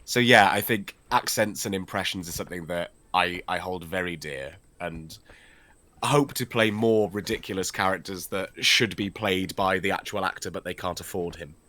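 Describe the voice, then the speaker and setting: Man, first language Welsh, voice actor guest, bright forceful tone, slightly low, playful, keeps slipping into impressions. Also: normal speed. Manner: playful, slips into impressions and accents. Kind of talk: casual chat while gaming.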